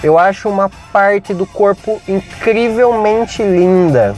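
Male podcast host, high voice, jokey in-car monologue, faint music bed. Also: takes it slowly, darkish tone. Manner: rambling, jokey, narrating what he sees. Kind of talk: casual rambling monologue. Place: inside a car with windows closed.

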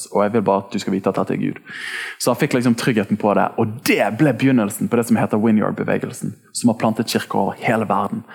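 Gravelly, casual preaching man. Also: fairly low pitch. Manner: casual, energetic preaching with slang. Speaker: pastor. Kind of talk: sermon.

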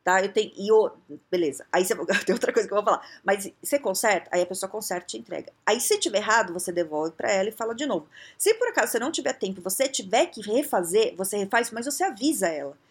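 A woman's voice: mid-range voice, animated, fast talker, slightly rough. A woman with a Brazilian Portuguese accent giving blunt, conversational leadership advice, often acting out little dialogues. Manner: blunt, conversational, frequent tag questions, acts out dialogues. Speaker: leadership coach. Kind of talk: casual advice talk.

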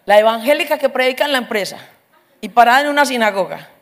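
A middle-aged woman preaching a humorous testimony, telling her story lively and acting out the voices of others. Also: a little high, fast. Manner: lively storyteller, acts out voices, laughs often.

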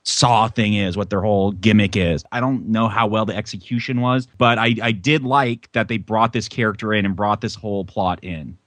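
A man's voice: on the low side, moderate pace, hardly any pauses, a bit bright, no room sound. A man in a casual podcast discussion, rambling and hesitant, with many fillers.

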